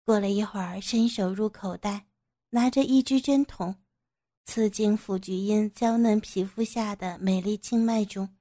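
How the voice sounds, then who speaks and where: A woman narrating an audio story in a steady, even storytelling manner. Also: mid-range voice, measured pace.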